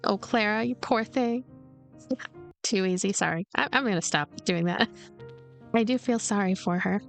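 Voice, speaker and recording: A woman's voice: medium pitch, normal speed, creaky, faint music behind. A woman giving casual commentary as host of a let's play video.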